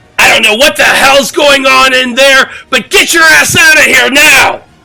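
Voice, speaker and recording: Shouting in a put-on character voice, a man uses a gravelly, extremely high pitch at a moderate pace. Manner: yelling.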